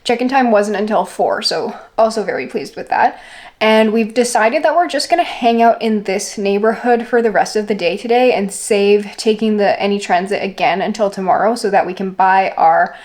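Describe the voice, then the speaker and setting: A woman's voice: mid-range voice, moderate pace, darkish tone. A woman talking casually to camera as a travel vlogger, in an informal, conversational way with "like" sprinkled through. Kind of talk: casual vlog chat to camera.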